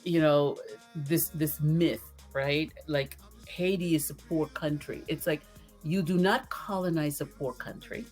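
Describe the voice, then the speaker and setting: A woman from the Dominican Republic whose first language is Spanish, talking as a podcast guest in an animated, earnest way and laughing often. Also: sits low, measured pace, faint music behind. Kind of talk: casual interview conversation.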